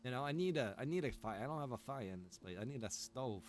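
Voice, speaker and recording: A man's voice: mid-range voice, animated, fast talker, a little hiss or hum. A man chatting casually while livestreaming a survival game, joking in a laid-back way and laughing often. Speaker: live streamer playing a survival roleplay game. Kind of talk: casual gaming livestream chat.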